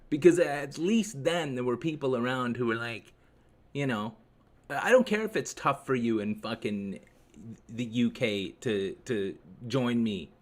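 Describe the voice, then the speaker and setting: A man hosting a live stream, chatting to viewers in a rambling, sarcastic and profane way. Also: medium pitch. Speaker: livestream host.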